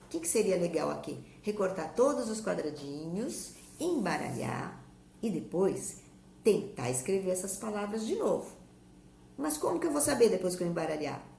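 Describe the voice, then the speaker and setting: A woman teaching a lesson from home, walking her pupils through each step with patience. Her voice is low, dark and gravelly. It was recorded in an echoey room with a faint hiss of noise behind it. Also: very animated, normal speed. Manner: patient, explains step by step, often says "ó". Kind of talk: remote classroom lesson.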